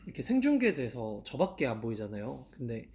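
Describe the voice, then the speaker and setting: A man's voice: medium pitch, huge pitch swings, fairly quick, darkish tone, slight background noise. A young man in his twenties chatting casually to fans on a live stream, laughing often and asking himself questions aloud. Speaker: idol live-stream host. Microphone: handheld mic.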